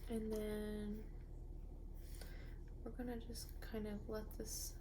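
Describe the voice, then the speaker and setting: A woman's voice: medium pitch, slow, background noise. A woman with a stuffy nose from a cold, chatting casually and thinking aloud as she draws. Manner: relaxed, thinking aloud while drawing. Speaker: sketch artist vlogger. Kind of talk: casual drawing commentary.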